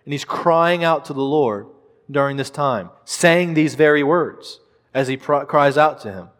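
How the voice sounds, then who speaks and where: A man's voice: on the high side, a little slow, a bit bright, long reverb tail. A man preaching a sermon, earnest and emphatic, repeating phrases for stress.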